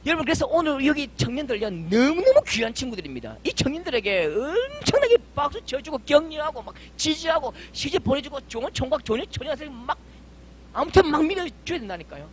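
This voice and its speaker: Male pastor, very high voice, lively swooping delivery, fervent sermon. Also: fast talker, slight background noise. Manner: fervent, emphatic preaching with vivid storytelling.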